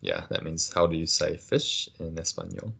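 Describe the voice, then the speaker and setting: A man teaching a casual language lesson, patient and encouraging, explaining things slowly. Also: rumbling low, steady tone, vocal fry, bright, forceful tone, husky.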